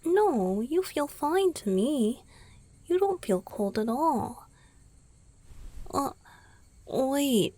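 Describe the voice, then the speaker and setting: Breathy, gentle vampire boyfriend, voiced by a woman. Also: a little high, dry recording, exaggerated voice. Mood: warm reassurance. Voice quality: breathy, mostly whispered. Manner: slow, intimate, soothing, softly teasing. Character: gentle, teasing, affectionate young male vampire boyfriend. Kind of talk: romantic ASMR roleplay.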